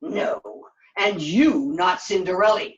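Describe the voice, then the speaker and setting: A woman's voice: fairly low pitch, slow pace, highs cut off. Woman putting on a grumpy, blunt forest monster. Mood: exasperated. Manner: gruff, broken childlike grammar. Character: grumpy forest monster, blunt, easily exasperated, secretly kind. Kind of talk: puppet show acting.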